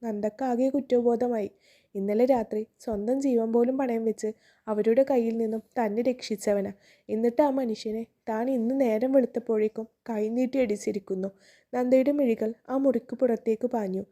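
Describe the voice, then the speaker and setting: A woman narrating a romance novel as a storyteller, reading in a calm, steady way. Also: a little high, moderate pace.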